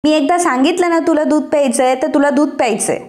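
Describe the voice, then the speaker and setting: A woman's voice: sits high, fast, darkish tone, natural voice. A woman reading a bossy scolding young wife. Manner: scolding, commanding.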